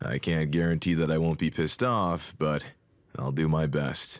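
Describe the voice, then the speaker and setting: A man uses a put-on character voice that is raspy and very deep, speaking at a moderate pace. The recording is very clean, with a silent background. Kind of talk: comfort roleplay audio. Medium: role play. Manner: soft-spoken, caring.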